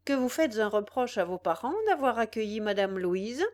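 A woman's voice: on the high side, animated, normal speed, a little mellow, natural voice. Stern young man, cool and reproachful, read by a woman.

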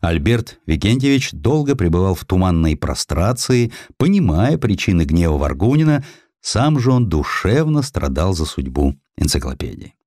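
A man narrating a historical literary sketch in an expressive, theatrical storytelling manner. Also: low voice, normal speed, no room sound, studio quality. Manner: theatrical, acts out dialogue. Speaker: audiobook narrator.

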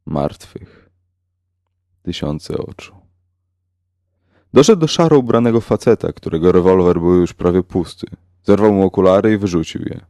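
A man narrating a horror story in a slow, measured, grave way. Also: sits low, dark tone, no room sound, studio quality. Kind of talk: scripted horror audiobook narration.

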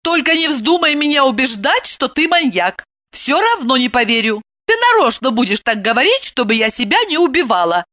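A woman reading an audiobook, voicing an excitable, sharp-tongued young woman who talks in a sarcastic, commanding, exclamatory way. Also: very high voice, moderate pace, voice pushed up, heavily acted. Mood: bossy.

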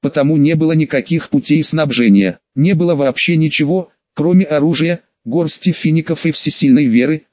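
A man's voice: on the high side, normal speed, few pauses, dry recording. A man reading a historical novel aloud as an audiobook narrator, keeping the characters' dialogue close to his own voice. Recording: muffled, dry, lo-fi recording.

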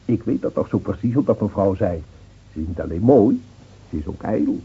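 Very husky older village man. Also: fairly low pitch, animated, brisk, full character voice. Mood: fond, reminiscing. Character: gentle older village man, reminiscing old friend. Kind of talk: Dutch radio drama acting. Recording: dull old radio recording.

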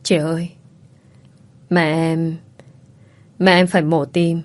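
A woman's voice: low-pitched, flat delivery, slow. A woman reading as a tearful young daughter. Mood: distressed. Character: young female student, tearful devoted daughter.

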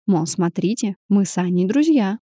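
Brief: female audiobook reader, mellow tone, dry close recording. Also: mid-range voice, animated, normal speed, husky, dry recording. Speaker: audiobook narrator. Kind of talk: first-person audiobook narration.

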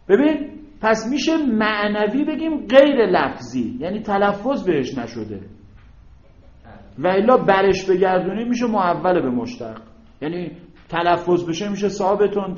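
A man's voice: high-pitched, very animated. A male teacher giving a grammar lecture in a classroom, explaining step by step, prompting students to fill in words and asking check questions. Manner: asks rhetorical check questions. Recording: roomy, dull lo-fi classroom recording.

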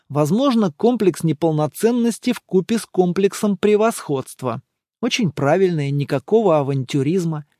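A man voicing an easygoing, sociable man who talks in an unhurried, coaxing way. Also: a little high, warm tone, no echo, clean studio sound, close to an everyday voice. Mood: musing.

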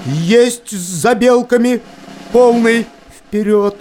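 An actor playing an excitable, dutiful young ship's first mate, calling out his lines in a loud, drawn-out, theatrical way. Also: extremely high pitch, slight background noise, full character voice. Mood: eager, dutiful. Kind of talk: audio play acting.

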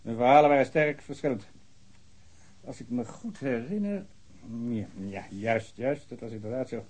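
An actor playing a long-winded, pedantic police officer in a radio drama. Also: male voice, medium pitch, animated, normal speed, darkish tone, breathy edge. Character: fussy male police officer reading a report.

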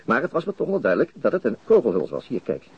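A man's voice: mid-range voice, huge pitch swings, quick pace, slight background noise. An actor playing a dogged, methodical middle-aged police chief inspector in a Dutch radio play, hesitating as he thinks aloud. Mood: matter-of-fact. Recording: muffled, dull radio drama recording.

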